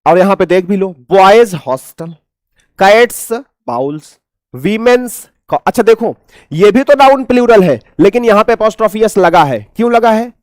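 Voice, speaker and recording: A man with an Indian accent runs an exam-prep English lesson with a fairly high voice. He keeps asking rhetorical questions and repeating the answers. The sound is close and dry, with no room echo. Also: expressive, normal speed, a little mellow. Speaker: English teacher.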